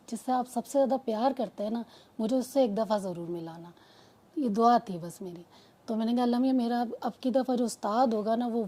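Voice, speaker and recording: This mother of two speaks in a fairly high, warm voice while recounting her own testimony earnestly. She rambles, keeps starting over, and repeats dialogue word for word.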